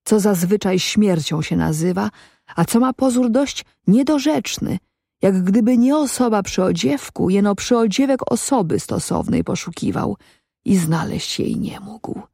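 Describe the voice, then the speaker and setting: A solemn black goat from a storybook, as a reader puts it on, musing at length in old-fashioned, weighty phrases. The voice is warm and mellow with a husky edge, and it sounds dry and close. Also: medium pitch, expressive, unhurried, no echo, exaggerated voice. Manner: archaic, ponderous moralizing. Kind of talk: audiobook reading.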